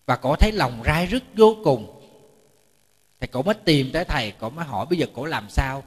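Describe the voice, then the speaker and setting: A monk with a higher voice, lively intonation and a breathy edge speaks briskly in a chatty, story-filled sermon. Often repeating words and joking with the audience, he's recorded in a reverberant temple lecture hall.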